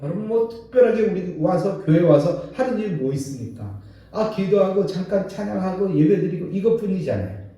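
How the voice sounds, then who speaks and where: A man preaching a sermon, swinging his pitch up and down and slipping into the voices of the people in his stories. His voice is dark and mellow, and it sits a bit high for a man. He is heard from a distance in a very echoey church hall. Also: fairly quick. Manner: animated preaching, acting out quoted voices. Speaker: pastor. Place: large church sanctuary.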